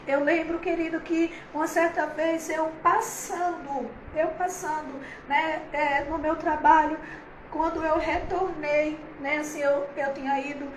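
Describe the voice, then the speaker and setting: A woman's voice: high voice, fairly even intonation, a little slow, echoey room, slight background noise, rough recording. A woman pastor, preaching a heartfelt, conversational sermon on a livestream, with many fillers.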